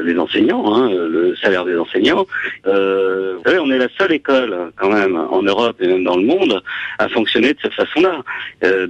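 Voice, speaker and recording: A man's voice: on the low side, a bit bright, no echo, dull audio. A man with a French accent from France, his voice electronically altered for anonymity, arguing in a radio interview with hesitations and repeated words. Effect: voice changer, electronically altered voice for anonymity. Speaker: interview guest, school inspector and author.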